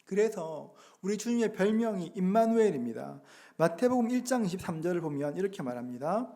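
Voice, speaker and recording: Earnest high-voiced pastor preaching. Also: male voice, lively intonation, a little fast. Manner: earnest, asks the congregation rhetorical questions; gently acts out quoted words. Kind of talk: Sunday sermon.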